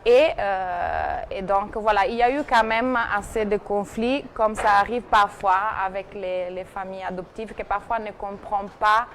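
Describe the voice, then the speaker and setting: A woman's voice: medium pitch, moderate pace, few pauses, a bit bright. A woman presenter on a TV talk show recounting someone's story, with frequent fillers and restarts. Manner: hesitant, many fillers and restarts. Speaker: TV segment presenter. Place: TV studio. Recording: TV studio broadcast with faint noise.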